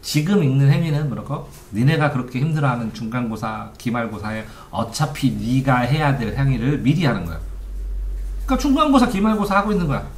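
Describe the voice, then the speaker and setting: A man's voice: mid-range voice, expressive, brisk, a little hiss or hum. A man giving an informal lecture on study methods as a coach, asking his listeners rhetorical questions. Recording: echoey room.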